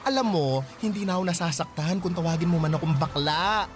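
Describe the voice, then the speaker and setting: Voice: mid-range voice, a little fast, natural voice. An actor in a radio drama playing a sassy, wronged gay teenage boy who is fiery, sarcastic and theatrically taunting. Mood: scornful, hurt. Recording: loud music behind the voice.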